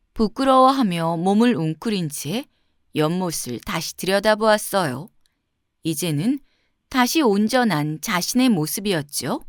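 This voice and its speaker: A woman storyteller narrating a children's fairy tale from a script, with expressive, carefully phrased delivery. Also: mid-range voice, no echo, studio quality.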